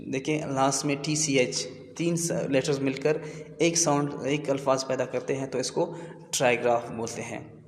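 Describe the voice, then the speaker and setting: A man explaining English grammar terms in a slow, repetitive teaching manner. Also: mid-range voice. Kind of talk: classroom lesson explanation. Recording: echoey room with long reverb.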